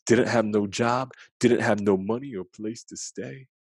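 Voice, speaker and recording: A man voicing a gentle, honest old grandfather in a storybook, with folksy, reassuring phrasing. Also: on the low side, a little slow, dry recording, studio quality.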